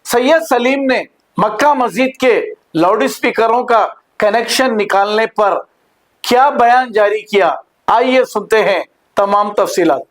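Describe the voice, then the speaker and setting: News presenter introducing a report. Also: female voice, fairly high pitch, unhurried, poor audio.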